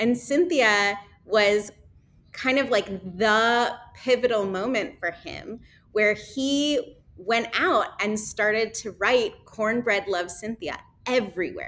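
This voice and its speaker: A woman with an American accent, fairly high in pitch, at a very slow pace with ordinary pitch variation. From New Jersey. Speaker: graffiti artist and university employee. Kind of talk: casual chat. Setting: at her workplace.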